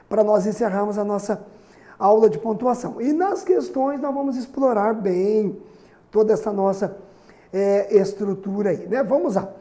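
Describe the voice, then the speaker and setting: A man's voice: sits high, dark tone. A middle-aged man from Brazil teaching a recorded grammar lesson, chatty, often checking in with the class as he writes on the board. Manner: chatty, constantly asking "né?" and "certinho?"; writes on the board while explaining.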